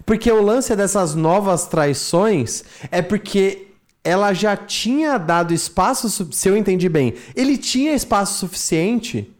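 A high-pitched man chatting on a comedy podcast, his voice swinging up and down as he jokes and teases. Quick banter, loose and playful. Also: expressive. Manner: joking, teasing, quick banter. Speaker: podcast co-host. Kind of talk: casual comedic chat.

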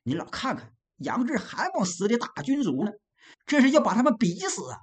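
Two petty attendants whine and tattle in a soft, husky tone, as a woman storyteller puts them on. The pitch rises and falls a lot. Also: very animated, fairly quick. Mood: whiny. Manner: whining, tattling. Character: two whining male attendants.

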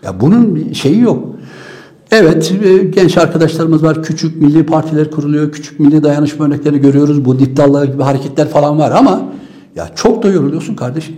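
A man's voice: on the high side, dark tone. A man giving an impassioned political monologue, fiery and scornful, firing off rhetorical questions and sounding weary. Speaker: political commentator.

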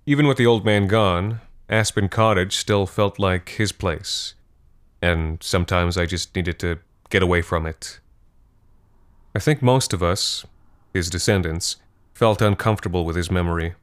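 Low, uneasy horror storyteller played by a man. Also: clean tone, natural voice. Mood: wry. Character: uneasy, wry male narrator of a woodland horror tale. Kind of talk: first-person horror audio drama monologue.

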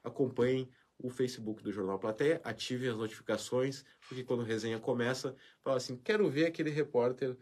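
A man's voice: medium pitch, steady tone, brisk, hardly any pauses, slightly rough. A man hosting a live show, reading viewer comments in a chatty, emotional way with frequent tag questions. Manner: emotional, warm farewell talk with frequent "né?". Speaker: host.

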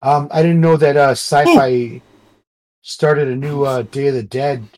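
A man co-hosting a podcast, chatting casually, halting and repeating words as he searches for what to say. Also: mid-range voice, fairly even intonation, a little mellow. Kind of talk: casual chat.

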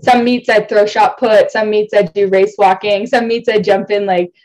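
A woman's voice: medium pitch, fairly even intonation, normal speed, a little mellow. A young woman from Ontario, an athlete guest in a casual interview on a video call, chatty and self-deprecating, laughing often and rambling. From Ontario, Canada.

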